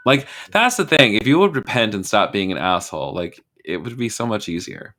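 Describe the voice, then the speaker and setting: A man's voice: lowish voice, big pitch swings, brisk, pushed and bright. A man hosting a casual video chat, talking bluntly and jokily and swearing freely. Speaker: host.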